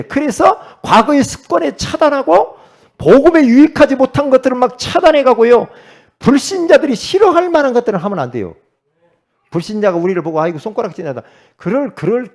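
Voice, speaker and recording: A middle-aged male pastor preaching, emphatic, swinging from loud exclamations to low asides and quizzing his congregation. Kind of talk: sermon.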